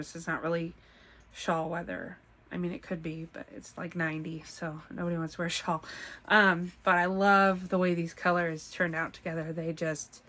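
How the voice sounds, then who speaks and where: A woman's voice: lowish voice, a bit bright. Nasal, congested Midwestern woman, chatty. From United States. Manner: chatty, laughs often, many fillers. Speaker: podcast host. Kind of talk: casual chat to camera. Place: home craft room.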